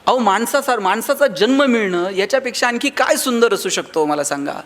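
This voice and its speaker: A man's voice: sits high, lively intonation, a little fast, a bit bright. A man with a Marathi accent giving a motivational speech in a hall, telling stories and acting out dialogue in other voices. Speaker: motivational speaker.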